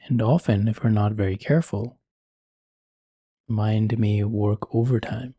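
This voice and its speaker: A man leading a guided meditation in a soothing, measured and gentle manner. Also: fairly low pitch, steady tone, breathy edge, dry recording.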